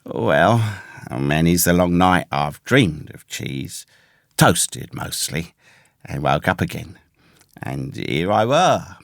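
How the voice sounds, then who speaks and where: A man acts out a storybook castaway, ragged, pious and a little crazed. His voice is deep, hoarse and creaky, swinging up and down as he rambles eagerly in rough sailor's speech. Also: very animated, slow, no echo, studio quality, full character voice. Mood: wistful. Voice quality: hoarse, awkward.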